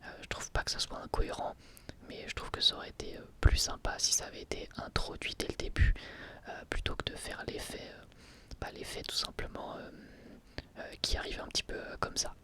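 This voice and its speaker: A man hosting his channel, reviewing an anime episode in a soft ASMR whisper, hesitating often with fillers. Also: brisk.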